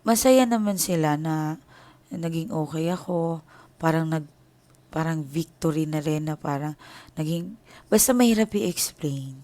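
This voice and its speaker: A woman hosting her own channel, telling viewers a personal story in a casual, emotional way, at times hushed and at times animated, and calling them her loved ones. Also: sits low, a little slow, long pauses, no room sound. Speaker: tarot channel host.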